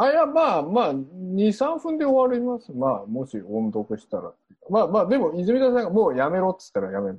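Speaking at a fairly quick pace, a man makes big swings in loudness. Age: 30s. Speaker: artist based in New York. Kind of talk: casual chat.

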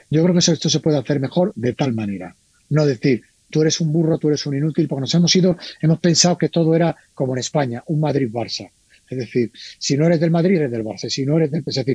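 Very fast and lively, a man's fairly high, somewhat breathy voice carries a dark, mellow tone in a dry, close sound with no echo. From Spain. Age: 50s. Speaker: entrepreneur. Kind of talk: interview. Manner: animated.

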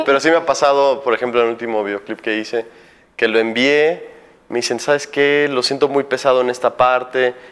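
A man with a plain, everyday voice, medium pitch and fairly even intonation, at a fairly quick pace. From Mexico. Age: 20s. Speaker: film and music video director. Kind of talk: interview.

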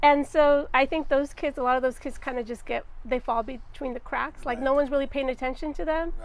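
With an American accent, this voice moves at a fairly quick pace with hardly any pauses and fairly even intonation. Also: woman, high pitch for a woman. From Santa Barbara, California. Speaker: nonprofit founder and social worker. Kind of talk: interview. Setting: studio.

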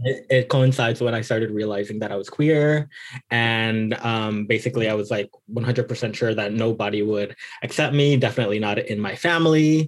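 This is a normal speaking voice with an American accent. It moves at a moderate pace with ordinary pitch variation. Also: man, medium pitch for a man. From Florida, Orlando and Miami. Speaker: memoir author. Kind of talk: interview.

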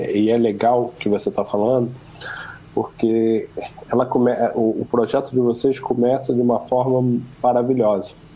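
With a medium pitch, a man talks at a moderate pace, his intonation fairly even and loudness very even. He leaves long, frequent pauses amid noticeable background noise. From Brazil, Rio de Janeiro. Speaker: podcast co-host. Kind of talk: casual chat.

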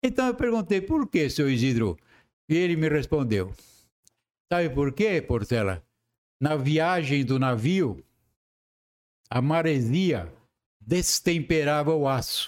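A man's fairly high voice with very wide pitch swings and very even loudness, very slow and broken by long, frequent pauses. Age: 70s. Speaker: retired car factory inspector. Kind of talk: storytelling interview. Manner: animated.

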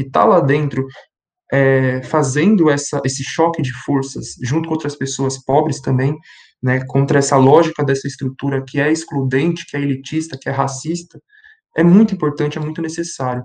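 This man has a fairly high, somewhat breathy voice. He keeps a moderate pace and fairly even intonation. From São Paulo, Brazil (northern periphery). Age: 20s. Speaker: university student and YouTuber. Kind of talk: casual interview. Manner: casual slangy speech.

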